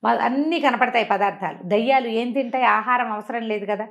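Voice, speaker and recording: Fast-talking, higher-pitched woman storyteller. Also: a bit bright, highs cut off. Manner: conversational, acts out characters' dialogue within narration. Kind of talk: animated oral storytelling of a children's moral tale.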